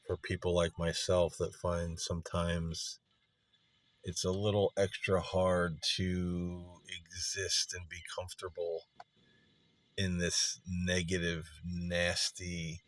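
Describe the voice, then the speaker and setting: A middle-aged man hosting a spirit session, speaking reflectively and earnestly in halting phrases with pauses mid-sentence. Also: sits low, monotone. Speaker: spirit box session host. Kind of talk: slow reflective monologue addressed to a spirit.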